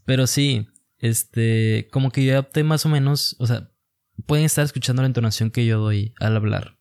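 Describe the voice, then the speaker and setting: This is a young man with a Mexican accent talking on a casual podcast. He is relaxed and chatty, telling stories in a loose, friendly way. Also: medium pitch, normal speed, clean tone. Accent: Mexican Spanish. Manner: relaxed, chatty, laughs easily. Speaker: podcast co-host.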